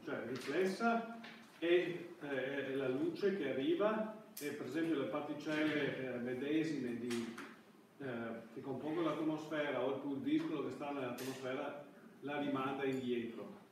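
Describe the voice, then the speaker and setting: In an indoor university classroom, a middle-aged male lecturer of medium pitch speaks hesitantly, pausing and breaking off words. Captured from a far camera at the back of the room, the recording is echoey and distant with audible background noise.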